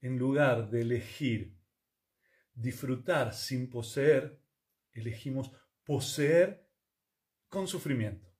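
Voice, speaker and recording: A man, teaching yoga and conscious communication in a calm, reflective talk full of rhetorical questions. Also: medium pitch, takes it slowly, pauses often. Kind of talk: reflective spiritual talk to listeners.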